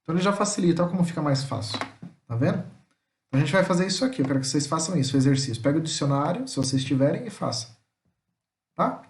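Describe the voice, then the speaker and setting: With lively intonation and a higher-pitched voice, a male tutor leads an online language lesson in a reverberant room. He walks through each point patiently, checks in afterward, and now and then spells out words slowly.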